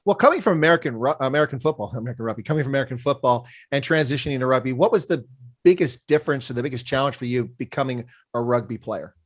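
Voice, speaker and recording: A man's voice: mid-range voice, expressive, rapid-fire. A middle-aged man hosting a casual sports interview, asking long, rambling questions. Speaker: interview host.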